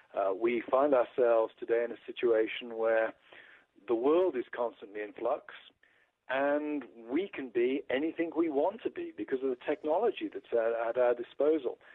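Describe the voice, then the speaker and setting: At a moderate pace, a man speaks in an ordinary speaking voice with a medium pitch and ordinary pitch variation. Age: 50s. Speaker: professor and author. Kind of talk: interview.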